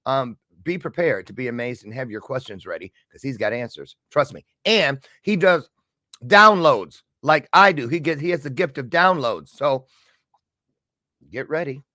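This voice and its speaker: A middle-aged man hosting a casual live-stream talk show, chatty and excitable, with self-deprecating jokes. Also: mid-range voice, moderate pace, no echo, studio quality.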